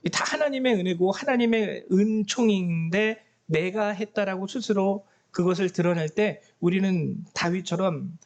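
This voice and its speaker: Male pastor, high voice, emphatic sermon delivery with repeated words and acted-out quotes. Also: a little mellow.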